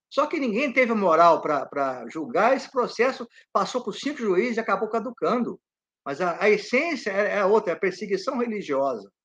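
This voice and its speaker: Here a man speaks at a moderate pace with a high pitch. His voice makes very wide pitch swings. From Brazil, Espírito Santo. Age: 60s. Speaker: pediatrician and hospital chaplaincy coordinator. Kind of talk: interview. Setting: live stream.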